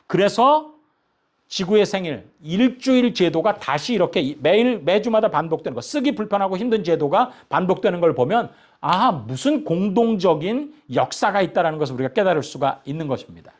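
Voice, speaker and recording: A man in his fifties, a pastor giving a lively lecture in church, asking the audience questions and joking with them. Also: sits high, brisk. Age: 50s. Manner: animated, asks the audience questions and jokes with them. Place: church hall.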